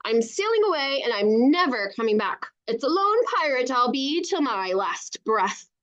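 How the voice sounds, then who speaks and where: A woman's voice: high-pitched, sing-song, moderate pace, fairly bright tone. Lady doing a grumpy loner pirate kid, growly storybook voice, stage pirate accent, kinda muffled lo-fi sound. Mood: exclaiming. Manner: growling, bellowing, exclaiming. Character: gruff, stubborn young boy pirate, loner captain. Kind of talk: children's storybook read-aloud.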